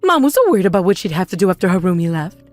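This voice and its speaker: A woman's voice: lowish voice, very animated, very fast. A woman voicing a greedy, manipulative middle-aged mother in a comic dub, with a theatrical, wheedling way of talking. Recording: voice over background music.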